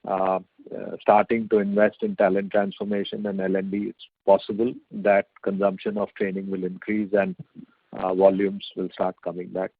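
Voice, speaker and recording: A male company executive giving halting, measured, hedging answers on an earnings call over a conference phone line. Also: sits low, level tone, no room sound.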